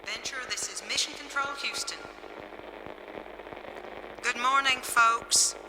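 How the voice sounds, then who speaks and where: Role: mission control radio operator. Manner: brisk, clipped. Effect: spacecraft radio link. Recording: hissy old radio broadcast. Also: female voice, fairly high pitch. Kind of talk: old-time radio drama acting.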